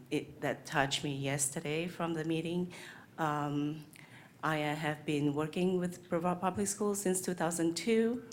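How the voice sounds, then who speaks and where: Low-voiced woman, earnest and hesitant. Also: slight background noise. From Malaysia. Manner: earnest, hesitant, many fillers. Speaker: music teacher speaking at public comment. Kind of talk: public comment at a board meeting. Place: board meeting room.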